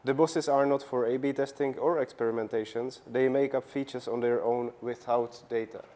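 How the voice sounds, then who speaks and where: A man's voice: medium pitch, steady tone, normal speed, mellow. A man acting as conference moderator, passing on audience questions to a speaker. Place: conference stage.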